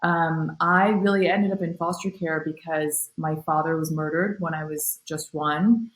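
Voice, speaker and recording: A woman's voice: deep voice, fairly even intonation, unhurried, reverberant, poor audio. A young woman from Taiwan, a nonprofit founder, talking reflectively as a podcast guest with many fillers. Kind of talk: podcast interview.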